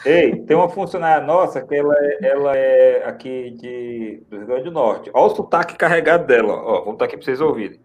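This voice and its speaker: A man's voice: medium pitch, fairly quick, few pauses, darkish tone. Northeastern Brazilian man, playful host. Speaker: podcast host. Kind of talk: casual live podcast chat.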